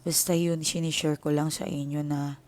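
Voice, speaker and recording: A woman hosting her own channel, telling viewers a personal story in a casual, emotional way, at times hushed and at times animated, and calling them her loved ones. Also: deep voice, normal speed. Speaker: tarot channel host.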